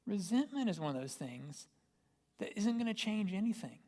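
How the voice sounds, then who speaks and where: A man's voice: high voice, very animated, normal speed, mellow. A man, a pastor, giving a conversational sermon and asking the congregation rhetorical questions. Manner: casual, asks the listeners rhetorical questions.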